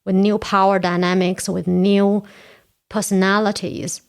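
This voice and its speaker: This podcast guest speaks a little slowly in a level, mid-range voice that is clear and resonant, with some vocal fry. She is in her forties, from China with Korean as her native tongue, and as a Toastmasters area director she earnestly explains step by step in a casual interview.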